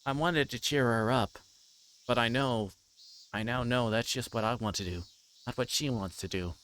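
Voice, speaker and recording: A man livestreaming a visual novel, reading story text aloud and adding halting, informal asides. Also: medium pitch, fairly bright tone. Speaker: streamer playing a visual novel. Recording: clear background noise, insect-like ambience.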